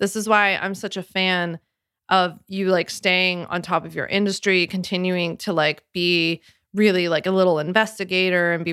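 On a very clean recording with a silent background, a woman speaks at a medium pitch in a Philadelphia accent. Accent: Philadelphia, run-together words. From US Northeast, Philadelphia. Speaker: podcast host and attorney. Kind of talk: casual solo podcast talk.

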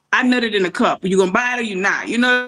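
An ordinary speaking voice from a woman with an American accent, fairly high in pitch with ordinary pitch variation. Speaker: entrepreneur and reality TV personality. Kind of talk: casual interview.

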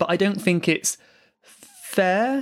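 A man with a British accent, very slow pace and very wide pitch swings, on a very clean recording with a silent background. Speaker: English teacher podcaster. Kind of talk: podcast lesson monologue. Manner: clearly enunciated.

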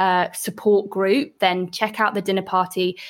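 This woman talks at a moderate pace with a medium pitch. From England. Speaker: podcaster.

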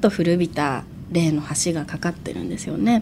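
A woman is speaking at a moderate pace. Her pitch moves in an ordinary way, with noticeable background noise behind her. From Japan, Kanazawa, Ishikawa. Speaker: ghost story teller. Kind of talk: ghost story telling.

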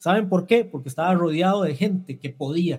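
A man speaks in a high pitch. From Costa Rica. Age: 40s. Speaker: pastor and systems engineer. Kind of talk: casual chat.

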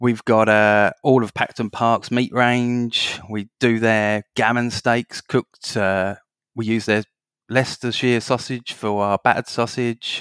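In an Essex accent, a man speaks at a medium pitch and a fairly slow pace with monotone, flat intonation, the sound dry and close with no echo and the recording very clean against a silent background. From Essex, England. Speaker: shop owner. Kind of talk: interview.

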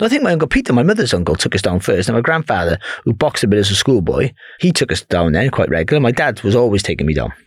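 A man with a Welsh accent talks very fast at a medium pitch, using very wide pitch swings, vocal fry and very even loudness. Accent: Welsh (Cardiff) English. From Wales. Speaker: former boxer and boxing pundit. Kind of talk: casual interview. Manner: fast talker; talkative.

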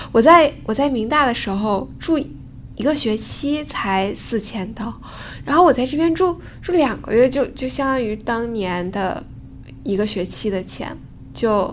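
A woman's fairly high voice, fairly slow in pace, with very wide pitch swings. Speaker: graduate student. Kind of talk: casual chat.

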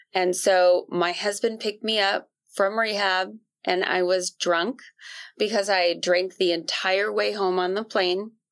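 A woman with a Californian accent speaks at a medium pitch and a fairly slow pace, her intonation fairly even and her loudness very even. The recording is very clean, with a silent background. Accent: General American (Californian). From California, Bay Area. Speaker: podcast host and author in recovery. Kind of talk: personal testimony in interview.

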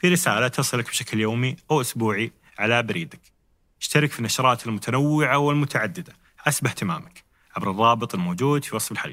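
A man's bright, sharp, medium-pitched voice with lively intonation at a fairly quick pace. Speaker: podcast host. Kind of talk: interview conversation.

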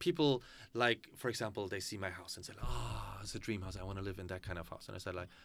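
Very fast and full of vocal fry, a man's fairly low voice swings widely in loudness on a very clean recording with a silent background. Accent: German. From Germany, Hamburg. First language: German. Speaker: author and documentary filmmaker. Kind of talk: interview conversation.

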